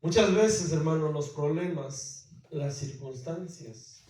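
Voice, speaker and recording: High-voiced preacher in an echoey church. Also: male voice, slow pace, a little mellow. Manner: emphatic preaching, repeated calls to the congregation. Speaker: pastor. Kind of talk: sermon. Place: church in the United States. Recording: very echoey church hall, mic far off.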